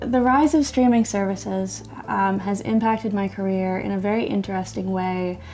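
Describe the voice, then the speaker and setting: Music runs behind a woman talking at a moderate speed. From Newfoundland, Canada. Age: 20s. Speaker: singer-songwriter. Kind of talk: documentary interview.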